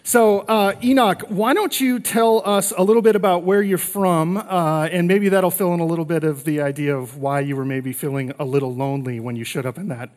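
A man's voice: on the high side, fairly even intonation, a little fast, hardly any pauses, a little mellow. A man serving as pastor, making announcements and interviewing a guest on stage in an upbeat, friendly way. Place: large church auditorium, on stage. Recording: reverberant church hall.

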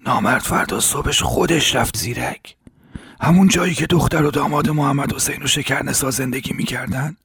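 A hoarse grieving old villager. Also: male voice, medium pitch, a bit bright, dry recording, studio quality. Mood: grief-stricken. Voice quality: hoarse, raspy. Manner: halting, sorrowful storytelling. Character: grieving old village man recounting horrors. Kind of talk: audio drama acting.

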